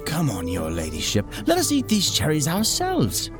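A man's voice: fairly high pitch, huge pitch swings, normal speed, music in the background, pitched above the performer's own voice. A man voicing a loyal, cheeky bard companion with a droll, eager manner in a storybook tale.

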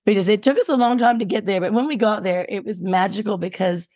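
A middle-aged Australian woman, husky today, telling her story as a podcast guest in an upbeat way. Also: medium pitch, fast, darkish tone. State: husky, not her normal voice. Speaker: guest, business founder. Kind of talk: casual interview chat.

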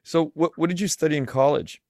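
A man in his forties hosting a podcast interview, asking relaxed, musing questions. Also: on the high side, fairly quick, no room sound, clean studio sound. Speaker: podcast host. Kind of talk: conversational interview.

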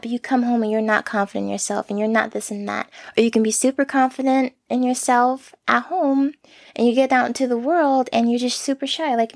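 A young woman hosting a solo podcast, talking in a soft, earnest, self-reflective way into a close mic. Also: on the high side, vocal fry, no room sound. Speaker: podcast host.

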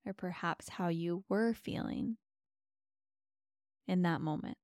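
Low-voiced woman gently guiding meditation. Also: no echo, studio quality. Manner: gentle, slow, spacious instructions with long pauses. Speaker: meditation podcast host and guide. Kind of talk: soft, soothing guided meditation.

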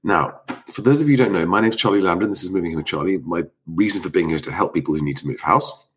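Male streamer, lowish voice, slightly congested, informal commentary kept hushed for a sleeping household at night. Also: fast talker. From Sussex, England. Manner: speaking quietly at night so as not to wake sleeping children. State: slight cold. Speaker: live stream host. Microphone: close microphone.

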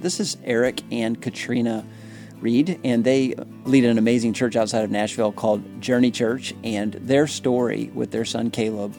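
A man's voice: mid-range voice, gravelly, darkish tone. A man co-hosting a ministry podcast, introducing guests and asking questions in an earnest, conversational way. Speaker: podcast co-host. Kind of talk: podcast interview.

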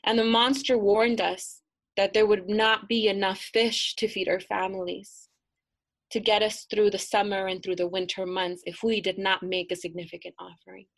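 A woman's voice: medium pitch, level tone, normal speed, vocal fry. A woman voicing the meanest of a group of village girls, who sneers and taunts in a told story. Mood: mock-tearful. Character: mean scornful teenage village girl, ringleader.

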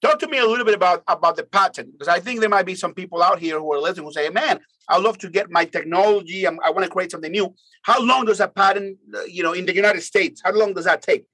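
A man hosting a podcast with a husky voice, asking quick, encouraging questions of his guests. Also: sits high, pushed and bright, no room sound, poor audio. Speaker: podcast host. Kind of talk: interview questions.

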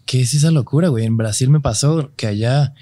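A man's voice: medium pitch, brisk, mellow. A man with a Mexican accent hosting a casual podcast chat, asking eager, slangy questions.

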